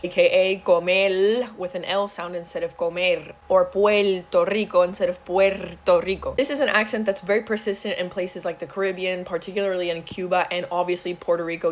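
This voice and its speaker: A woman giving a conversational educational explanation, stressing example pronunciations as she presents. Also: medium pitch. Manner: demonstrates pronunciations with emphasis.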